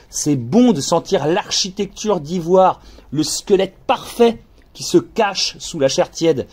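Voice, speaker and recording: Male audiobook reader, fairly high, very lively pitch, hushed dreamy narration. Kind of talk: scripted narration.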